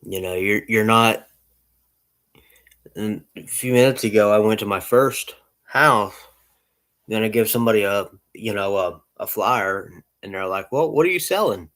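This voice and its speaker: A man's voice: fairly low pitch, steady tone, unhurried, long pauses, a bit bright. A man who runs a lawn care business, giving casual, rambling advice with lots of repeats and restarts.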